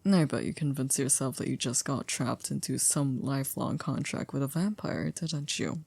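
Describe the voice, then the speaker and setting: A woman playing a composed, formal household servant in an ASMR roleplay, polite and measured with gently wry teasing. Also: a bass voice, creaky, slightly rough, no room sound, heavily acted. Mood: amused, teasing.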